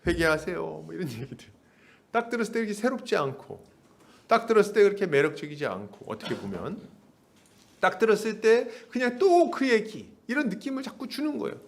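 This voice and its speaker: A male pastor delivers an expository sermon in a church, talking casually with his congregation. His voice sits fairly high for a man and swings widely up and down as he acts out quoted speakers. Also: brisk, vocal fry. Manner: animated, acts out voices of others in the story; casual, conversational preaching with laughter. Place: church sanctuary.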